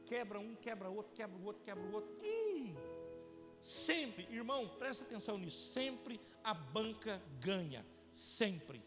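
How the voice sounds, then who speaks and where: A high-pitched male pastor with a Brazilian Portuguese accent, preaching in an emphatic, repetitive way. His voice rings through a hall with a long reverb, and soft music plays underneath. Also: big pitch swings, measured pace. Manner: emphatic, repetitive preaching with direct address to the congregation. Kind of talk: sermon.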